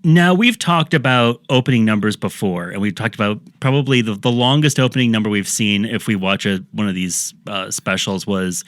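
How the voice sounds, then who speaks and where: A man's voice: on the low side, moderate pace, hardly any pauses, dry recording, clean studio sound. A man hosting a podcast, telling a story in casual chat with jokey asides. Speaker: podcast host.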